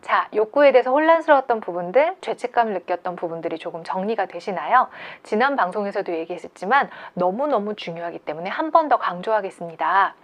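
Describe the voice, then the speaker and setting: A woman giving a calm, explanatory lecture on creativity to an online audience, often posing questions to her listeners. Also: medium pitch, quick pace, few pauses.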